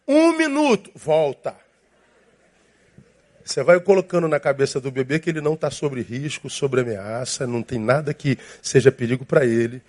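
Um pastor com sotaque brasileiro pregando um sermão de jeito coloquial e vivo, encenando situações. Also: male voice, medium pitch. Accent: Brazilian Portuguese. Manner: lively, acts out scenes, colloquial. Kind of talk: sermon.

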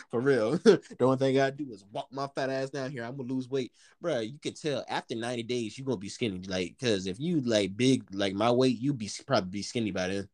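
In a relaxed conversation among friends, a deep-voiced young man with a darkish tone talks in slang, rambling, restarting his sentences and letting out quick laughs. The sound is close and dry, with virtually no room sound.

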